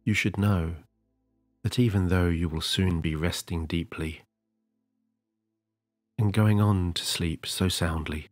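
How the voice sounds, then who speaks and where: A man leading a guided sleep hypnosis session, talking softly and slowly with long pauses. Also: low-pitched, fairly even intonation, no echo. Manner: soft, slow and soothing, with long pauses. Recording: dry close studio voice over soft music.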